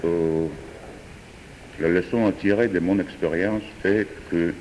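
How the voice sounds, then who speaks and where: A man, a French speaker, improvising a philosophical talk with hesitant pauses and fillers. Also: low voice, steady tone, a little mellow, a little hiss or hum. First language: Georgian. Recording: distant voice in a reverberant hall.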